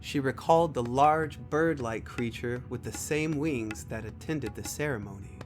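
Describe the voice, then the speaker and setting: A man's voice: mid-range voice, moderate pace, soft background music. A man narrating a scripted science fiction story.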